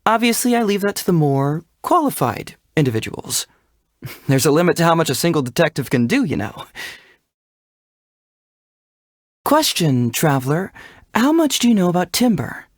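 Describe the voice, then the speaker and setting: A man's voice: a little high, sing-song, fairly quick, no echo, studio quality. A man voicing a cheeky, confident young male detective in a video game, with breezy, playful, theatrical phrasing. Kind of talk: scripted game character voice lines.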